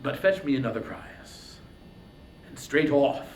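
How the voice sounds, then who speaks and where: A man voicing a proud, wrathful, grasping warrior king in a dramatic reading of epic poetry, declaiming haughtily and swinging between hushed and thundering. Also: mid-range voice, lively intonation, a little slow, reverberant, a little hiss or hum, lightly acted. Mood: aggrieved.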